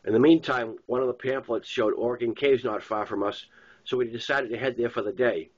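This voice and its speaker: A man with a Boston accent, his voice medium-pitched, steady and brisk, reads his own first-person novel aloud. The narration is plain with the odd stumble, and the sound quality is dull and lo-fi.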